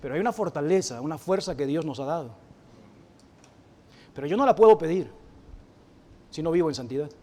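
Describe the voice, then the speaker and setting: A man preaching a church sermon to his congregation, moving from hushed, slow phrases to loud, emphatic declarations. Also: a little high, lively intonation. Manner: addresses the congregation directly and calls people up to the front.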